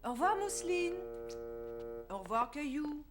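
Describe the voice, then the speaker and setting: A woman voicing a patient, encouraging mother in a children's cartoon, speaking gently to a small child. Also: sits high, very animated, measured pace, loud music behind the voice. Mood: reassuring. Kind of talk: children's cartoon dub acting.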